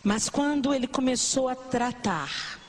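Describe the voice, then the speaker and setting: A Brazilian woman preacher delivering a lively sermon to a congregation, with a broadcast church-service feel. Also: high-pitched, unhurried, slight background noise. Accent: Brazilian Portuguese. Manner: animated, acts out complaining believers in mock voices.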